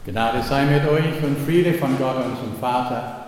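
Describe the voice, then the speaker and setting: A man from Australia, giving a sermon as a pastor in slow, measured speech with occasional slips. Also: medium pitch, darkish tone, slight background noise. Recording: echoey church hall, long reverb.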